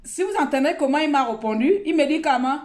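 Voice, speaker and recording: A woman from Gabon talks straight into her phone during a live stream. She rambles and repeats herself, lecturing her viewers and then drifting into casual chat. Her voice sits a little high. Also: fast, darkish tone. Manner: talkative, scolding and repetitive, mixing sermon and chat.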